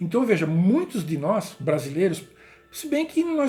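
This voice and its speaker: The man's voice is pitched high. He moves along at a fairly quick pace. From Brazil. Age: 60s. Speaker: spiritual video blogger. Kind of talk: casual monologue. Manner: halting.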